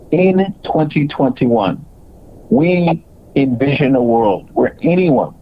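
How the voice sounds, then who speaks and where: A man's voice: medium pitch, vocal fry. Man on a dull conference call line. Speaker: company executive. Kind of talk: scripted earnings call presentation.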